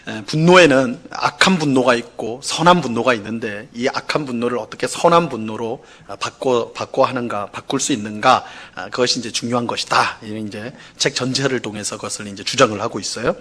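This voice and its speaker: A man's voice: mid-range voice, a little fast, hardly any pauses, a bit bright. A male pastor giving a Sunday sermon in a conversational style, full of fillers and rhetorical questions, who acts out quoted complaints in a raised, pleading voice. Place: church sanctuary.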